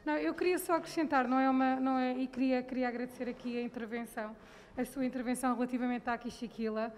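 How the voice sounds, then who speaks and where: Steady-toned woman in an echoing hall. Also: high voice, quick pace, a little hiss or hum. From Angola. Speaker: audience member. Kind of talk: comment from the floor.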